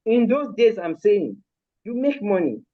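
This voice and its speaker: A woman's voice: mid-range voice, sing-song, measured pace, dry recording, highs cut off. An older woman from Lagos with a Nigerian accent, a guest in a live interview who talks about raising her children in an emphatic, firm way. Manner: emphatic, firm, repeats points with force. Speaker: guest, mother and grandmother.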